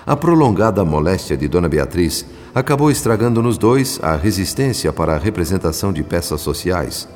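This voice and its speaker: Deep, reverberant Brazilian narrator. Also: male voice, big pitch swings, brisk, hardly any pauses, darkish tone, soft background music. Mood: solemn, reflective. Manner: solemn, formal, literary. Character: earnest, reflective male spirit narrator. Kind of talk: scripted radio drama narration.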